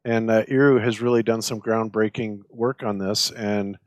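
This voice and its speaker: A man's voice: lowish voice, fairly even intonation, moderate pace, no echo. Man hosting casually, very dry sound. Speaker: show host.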